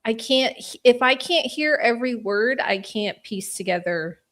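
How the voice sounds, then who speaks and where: A woman's voice: on the high side, lively intonation, a little slow, a bit bright. A woman hosting a casual livestream chat, rambling and thinking aloud with many fillers. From Spain. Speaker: host.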